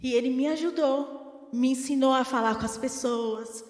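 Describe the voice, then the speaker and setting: A woman with a Brazilian Portuguese accent preaching a teaching sermon in an animated way, acting out the voices she quotes. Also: high-pitched, moderate pace. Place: church hall. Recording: echoey church hall.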